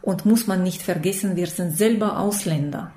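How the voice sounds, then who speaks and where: A woman speaks haltingly in an interview, stopping on fillers as she recounts a conversation. Her voice sits low and is caught from a distance in an echoey room. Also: dark tone. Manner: halting, hesitant speech with fillers.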